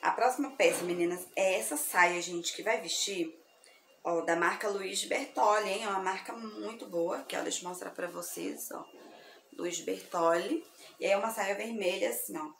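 A woman from Brazil selling thrift clothes online, chatty and effusive, her voice slightly hoarse from sleepiness. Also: mid-range voice, fairly quick, hardly any pauses. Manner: chatty, effusive, addresses viewers as girls. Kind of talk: casual product showcase. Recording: echoey room with faint ambient noise.

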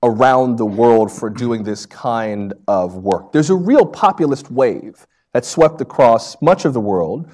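Middle-aged male moderator, mid-pitched, measured and methodical, asks long questions onstage in a lecture hall. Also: a little mellow. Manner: measured, lays out questions at length. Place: stage in a lecture hall with a seated audience.

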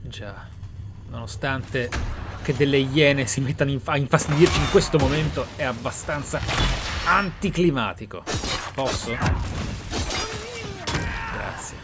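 A man narrating a video game playthrough in a measured, deliberate, theatrical way. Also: medium pitch, over loud music. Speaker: gaming channel host. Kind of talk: Let's Play roleplay narration and commentary. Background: video game ambience.

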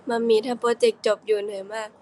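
A woman's voice: mid-range voice, level tone, rapid-fire, dark tone, poor audio. A young woman hosting a casual livestream, chatting playfully with fans and reading their comments. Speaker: idol livestream host.

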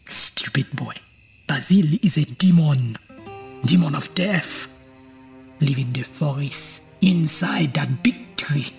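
An actress playing a blunt, superstitious old island woman with a gravelly, whispery voice in an audio horror drama. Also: low voice, slow pace, a little mellow, soft background music, heavily acted. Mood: scolding, dark. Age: older.

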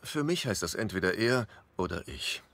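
Flustered man with swooping pitch. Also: animated, moderate pace, a bit bright, heavily acted. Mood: pleading, earnest. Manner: flustered, stammering, repeats himself. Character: hapless middle-aged man, anxious, flustered, pleading boyfriend. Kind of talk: dubbed sitcom acting. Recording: noisy sound with clicks.

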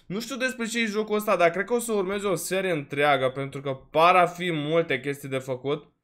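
Romanian man, high-pitched, let's-play host, chatty, quick to exclaim, voice a bit worn. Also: fairly bright tone. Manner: chatty, exclaims often, peppers talk with "frate" and "bă". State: voice slightly worn, coughing. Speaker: gaming video host. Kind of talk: casual let's-play commentary.

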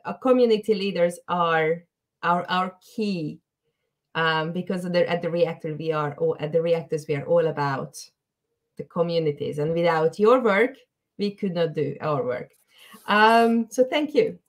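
A woman's voice: on the low side, unhurried. A woman hosting an online webinar, courteous and a little hesitant, repeating words as she introduces things. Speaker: host. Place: indoor room, video call.

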